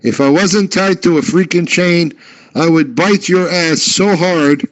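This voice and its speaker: A man's voice: sits high, measured pace, voice pushed up. A man voicing an angry, foul-mouthed male dog who is chained up and snarling threats, on muffled lo-fi audio. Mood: furious.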